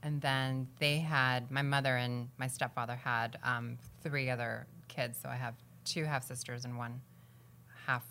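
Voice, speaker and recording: A woman from Guam, a guest actress chatting casually in an interview, relaxed and quick to laugh. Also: very deep voice, slight background noise.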